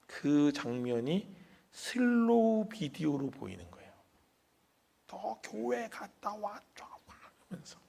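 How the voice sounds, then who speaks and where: A male senior pastor telling a story in a sermon, animated, questioning the congregation and dropping to a hush. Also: sits high, gravelly.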